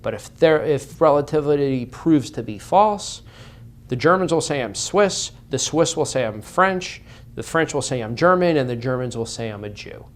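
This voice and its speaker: A man's voice: medium pitch, animated, normal speed. A man speaking as an interview guest, earnest and impassioned, repeating phrases for emphasis.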